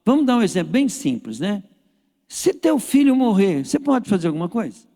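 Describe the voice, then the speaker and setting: A man's voice: high voice, sing-song, moderate pace, mellow. A man with a Brazilian Portuguese accent preaching a sermon in a folksy, storytelling way, speaking straight to the congregation. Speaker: pastor. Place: church hall. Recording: reverberant church hall.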